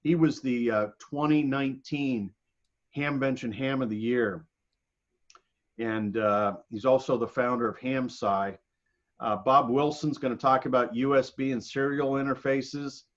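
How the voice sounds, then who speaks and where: An American man gives an informal presentation over a video call. His delivery is halting, with pauses in the middle of sentences. The audio is dull and lo-fi. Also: medium pitch, fairly even intonation. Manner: halting, pausing often mid-sentence. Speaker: guest presenter.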